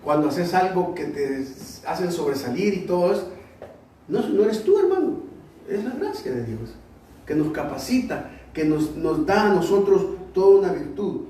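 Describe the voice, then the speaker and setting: A man's voice: lively intonation, normal speed, dark tone. Pastor man telling a story in his sermon, far off mic, faint room hum. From El Salvador. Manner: storytelling preacher, acts out quoted dialogue, rises in pitch when exhorting. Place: church. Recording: echoey church hall, heard from a distance.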